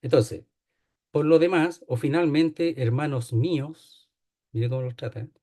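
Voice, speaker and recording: A man's voice: fairly high pitch, a little slow, mellow. Man teaching a Bible study. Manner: explanatory, repeats key phrases, asks "¿ya?".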